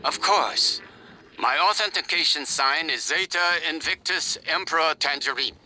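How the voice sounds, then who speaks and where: Corporate chairman, businesslike, commanding, sharp bright voice. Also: on the high side, normal speed, a little hiss or hum, poor audio. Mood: cold. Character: cold corporate male chairman.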